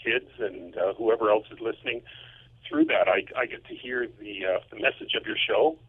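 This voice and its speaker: A man speaks earnestly and haltingly from a remote call. His voice is fairly low and rough-edged, squeezed through a thin phone connection as he chats in an interview. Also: huge pitch swings. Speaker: music composer. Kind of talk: casual interview chat. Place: remote, calling in. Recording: tinny, muffled phone line.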